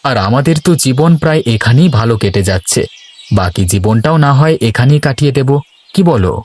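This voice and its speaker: A man playing a reflective, contented sixty-year-old boat-dwelling river gypsy in a cartoon, talking in a measured way. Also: medium pitch, lively intonation, darkish tone, lightly acted. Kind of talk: cartoon dialogue acting.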